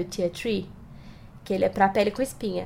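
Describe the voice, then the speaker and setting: A woman keeps a moderate pace in a normal speaking voice, her pitch varying in an ordinary way. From Brazil, interior. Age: 20s. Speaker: podcast host. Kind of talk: casual chat.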